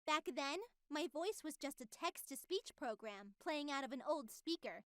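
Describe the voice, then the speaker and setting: High-pitched, smug young AI girl. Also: lively intonation, normal speed, no room sound, clean studio sound. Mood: smug, playful. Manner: playful, self-satisfied, conversational. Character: young female AI, cheerful, smug, obsessed with Halloween. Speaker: narrator of a horror visual novel. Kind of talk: scripted first-person game narration.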